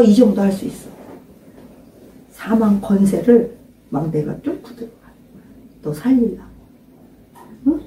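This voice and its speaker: A woman's voice: medium pitch, mellow, slight background noise. An older woman pastor preaching an informal sermon, emphatically questioning her listeners and urging them to pray aloud. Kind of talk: informal sermon to a small congregation. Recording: roomy echo, mic at a distance.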